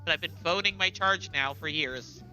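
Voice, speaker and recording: Casting: a bright-voiced, rambling, middle-aged American mom chatting while she plays, music faint underneath. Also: sits low, moderate pace, poor audio. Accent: General American. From United States. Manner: chatty, rambling, lots of fillers and asides. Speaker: gaming streamer. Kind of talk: casual chat while playing a game.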